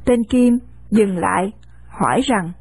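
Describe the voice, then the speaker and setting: A woman reading a novel aloud in a steady storytelling manner. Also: mid-range voice, slow, creaky, husky, no echo. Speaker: narrator.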